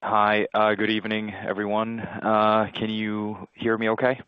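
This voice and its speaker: A man's voice: on the low side, completely flat delivery, measured pace, smooth, no echo. A man asking a spontaneous question as an analyst, hesitating often with ums and uhs. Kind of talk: spontaneous question on earnings call. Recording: narrow dry phone line.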